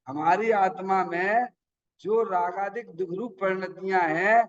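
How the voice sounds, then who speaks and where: A man's voice: sits high, a little slow. A man giving a sermon in a folksy, chatty way, often asking the listeners whether they understood. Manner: folksy, asks the audience questions. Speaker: Jain preacher. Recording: dull sound from far off the mic.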